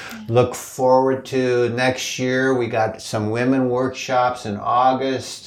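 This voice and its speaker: Over noticeable background noise, a man speaks very slowly at a medium pitch in a monotone, flat way. His loudness swings widely. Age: 60s. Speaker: podcast host interviewing spiritual teachers. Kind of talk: casual interview.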